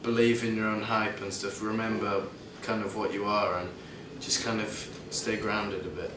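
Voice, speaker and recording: A young man in a band answering interview questions in a relaxed, hesitant way. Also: lowish voice, normal speed, far from the mic. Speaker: band member. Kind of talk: casual interview chat. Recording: roomy, off-mic, noisy.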